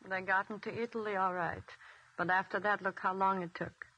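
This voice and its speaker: Brief: a husky, skeptical mother, 1940s drama. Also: medium pitch, flat delivery, fairly quick, pushed and bright, highs cut off. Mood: doubtful.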